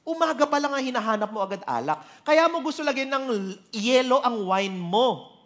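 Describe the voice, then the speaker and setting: A man preaching a sermon with a Filipino accent, telling stories in an animated way and switching between Tagalog and English. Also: extremely high pitch, normal speed.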